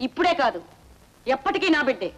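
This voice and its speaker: Stern mother-in-law, scornful, commanding, high voice, quick. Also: very animated, fairly bright tone, low-quality recording. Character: domineering stern mother-in-law, middle-aged.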